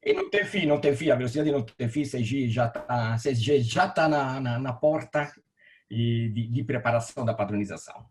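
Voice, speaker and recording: Man with italian accent, telecom director in an interview, repeats and restarts, middle pitch, video call sound. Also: expressive. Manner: halting, repeats words and restarts, explanatory. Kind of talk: interview answers on a live stream.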